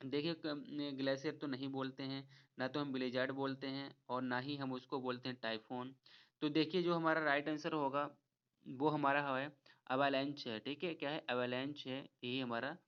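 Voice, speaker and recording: A man teaching an exam-prep vocabulary lesson, explaining each word slowly, repeating himself and asking viewers to guess. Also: medium pitch, little pitch movement, smooth. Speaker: English teacher. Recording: slightly dull lo-fi audio.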